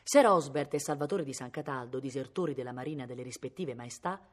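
A woman's voice: rumbling low, a little fast. A woman from Italy reading a novel aloud expressively, her voice rising with the drama. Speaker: reader.

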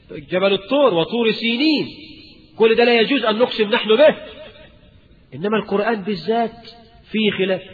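A man with an Egyptian Arabic accent giving a colloquial religious lecture, asking the audience rhetorical questions and rising in emphasis. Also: high voice. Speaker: preacher. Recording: dull lecture-hall recording with long reverb.

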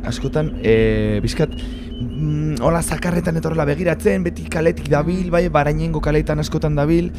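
A man's voice: on the high side, normal speed, close to an everyday voice. A man playing a chatty, encouraging taxi driver in radio theatre, rambling and repeating his words. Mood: chatty, musing. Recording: loud vehicle noise behind the voice.

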